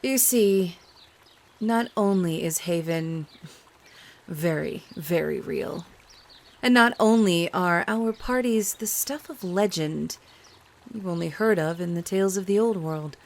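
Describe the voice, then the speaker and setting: An actress playing a haughty, menacing envoy of an elite enclave, deliberate and mock-polite, in a radio drama broadcast. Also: female voice, on the low side, gravelly. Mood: smug, condescending.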